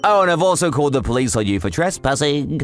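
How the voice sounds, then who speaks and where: A man acts as a sharp, taunting male coworker in a comic dub. His voice is on the high side and swings theatrically, with music underneath. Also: sing-song, fast. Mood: smug. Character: sharp, accusatory male coworker exposing a liar. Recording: voice over background music.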